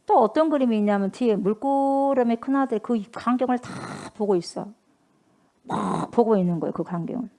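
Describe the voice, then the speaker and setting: A woman's voice: on the high side, moderate pace, mellow. Emphatic woman pastor preaching. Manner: emphatic, repetitive, conversational preaching. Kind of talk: sermon.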